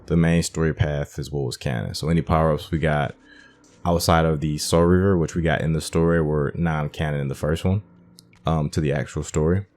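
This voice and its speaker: Low-voiced man casually commentating on games. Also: steady tone, brisk, a little mellow, soft background music. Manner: informal, explanatory, thinking aloud. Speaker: gaming host and commentator.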